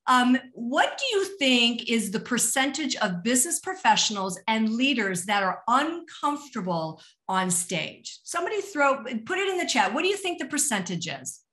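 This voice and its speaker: A woman's voice: fairly high pitch, very animated, normal speed, hardly any pauses, bright, forceful tone. Middle-aged woman coach presenting a webinar. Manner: encouraging, addresses listeners directly with rhetorical questions. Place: small indoor room, online webinar. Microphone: video call.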